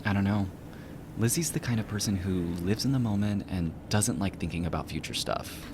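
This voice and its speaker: A man playing an expressive, chatty young barista and worrier in a naturalistic audio drama. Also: lowish voice, fairly quick, noisy background, lightly acted. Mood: worried.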